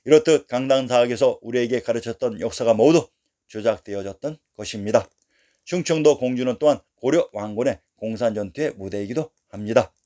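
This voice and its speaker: A man's voice: mid-range voice, a little fast, mellow. A man giving scripted history narration, reading long lists of place names in an earnest, insistent lecturing tone.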